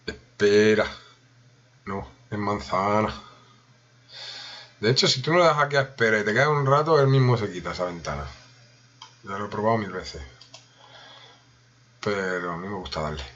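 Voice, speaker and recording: A man's voice: lowish voice, lively intonation, normal speed, pauses often, a bit bright, dull audio. A man with a Spain Spanish accent giving a joking running commentary to himself during a casual live coding stream.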